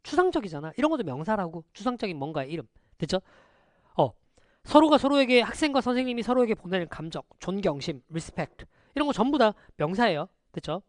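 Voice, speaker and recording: A man's voice: sits high, no room sound. Guy lecturing a class online, voice jumps up and down a lot, dry close sound, keeps asking "got it?". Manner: lively, quizzing students with quick rhetorical questions; switches between polite and casual speech. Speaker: English teacher.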